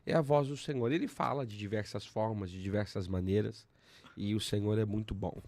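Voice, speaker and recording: A Brazilian man, a pastor, teaching in conversation, switching between emphatic bursts and calm explanation. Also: on the low side, brisk, no room sound. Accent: Brazilian Portuguese.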